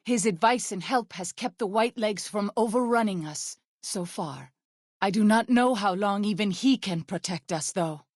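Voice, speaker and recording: A woman's voice: medium pitch, dry recording, natural voice. Woman voicing a serious tribal lady game character, earnest careful formal talk, mid voice, very dry studio sound. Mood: grave. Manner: formal, measured, earnest speech with few contractions. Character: solemn, devout tribal woman, grieving wife and scout. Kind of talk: video game character dialogue.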